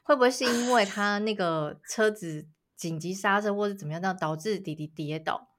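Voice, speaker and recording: A woman co-hosting a casual podcast chat, giving brisk, reflective commentary. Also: medium pitch. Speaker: podcast co-host.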